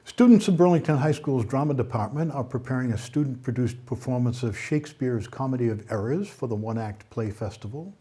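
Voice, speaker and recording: A man's voice: medium pitch, brisk, hardly any pauses, dark tone, slightly rough. A man anchoring a local weekly news program, introducing stories in a friendly, conversational way.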